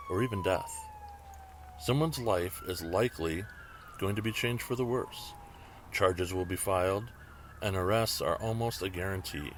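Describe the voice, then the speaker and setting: A man's voice: deep voice, noisy background. A man reading scripted commentary as the narrator of a video.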